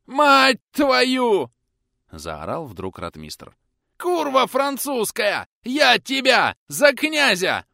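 A man's voice: on the low side, no room sound, clean studio sound. A man narrating a war adventure audiobook in a tense, vivid manner.

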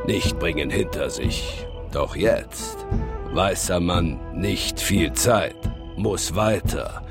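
An actor playing a stately, wise old Native American chief in a radio drama, speaking solemnly in broken grammar. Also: male voice, sits low, slow pace, vocal fry, full character voice. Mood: solemn, measured. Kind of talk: comic radio drama acting. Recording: music behind the voice.

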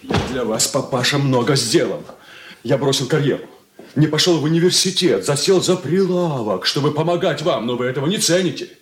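An actor playing a proud, bitter young merchant son in a radio drama, speaking in a clipped, indignant way. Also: male voice, mid-range voice, a little fast, a little hiss or hum, lightly acted. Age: young adult. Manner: clipped, indignant, lively delivery. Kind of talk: 1980s studio radio drama acting. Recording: roomy studio echo.

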